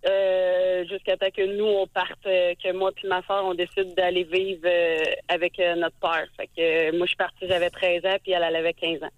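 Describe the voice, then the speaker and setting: A Québécois woman in her thirties calling in to a radio show, talking hesitantly with many filler pauses over a phone line. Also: lowish voice, level tone, dry recording. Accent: Québécois French. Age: 30s. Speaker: radio caller. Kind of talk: call-in talk. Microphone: telephone.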